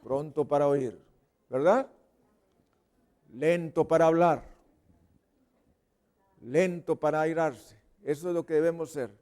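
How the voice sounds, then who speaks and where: A male pastor with a Mexican accent preaches in a high, unhurried voice. He acts out little sounds and voices, swinging from loud bursts to a hush. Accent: Mexican Spanish. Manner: playful, acts out sounds and voices with sudden loud and whispered bits. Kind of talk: sermon. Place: church service.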